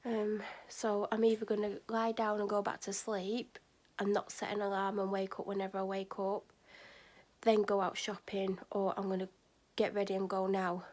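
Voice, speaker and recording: In a monotone, slightly mellow mid-range voice at a moderate pace, a woman rambles through a casual vlog while sick, worn out and sore-throated. She uses lots of fillers, first in her bedroom at night, later out near a shop.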